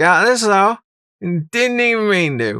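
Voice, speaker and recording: In a put-on character voice, the speaker talks at a fairly slow pace with a middle pitch. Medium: read story. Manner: brash and teasing.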